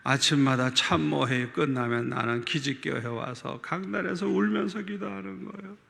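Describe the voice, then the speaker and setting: A male pastor delivers a sermon in a large church, his high voice full of gravel and fry. He tells his story with feeling, repeats himself for effect and calls out to the people in front of him. The tone is bright and edged, and a long reverb from the hall trails behind every phrase. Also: normal speed. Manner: emotional storytelling with many repetitions; calls out to the congregation.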